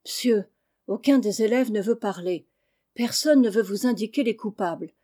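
Woman reading a calm, resolute schoolboy. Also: mid-range voice, moderate pace, natural voice. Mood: firm. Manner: polite and firm.

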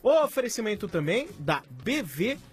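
A man hosting a sports radio show, announcing headlines and reading sponsor messages in a brisk announcer style. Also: high-pitched, very animated, slightly rough, faint music behind.

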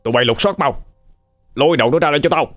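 A man with a Southern Vietnamese accent playing a bald thug who shouts threats and sneers. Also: fairly low pitch, quick pace, faint music behind, close to an everyday voice. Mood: menacing.

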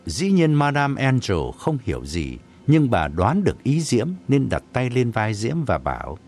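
A man narrating a story in an expressive, dramatic reading. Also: medium pitch, unhurried, soft background music. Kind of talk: audiobook narration.

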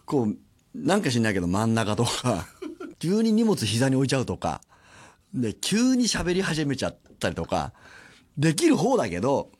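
Lively-pitched man chatting on radio. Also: breathy edge. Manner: chatty, acts out others' lines in quick voices. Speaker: radio host. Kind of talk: solo radio talk.

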